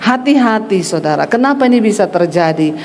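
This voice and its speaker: A middle-aged woman pastor with a mid-range, darkish, animated voice preaches a little fast, telling stories and acting out quoted voices with blunt force. The recording has echoey hall reverb and slight background noise.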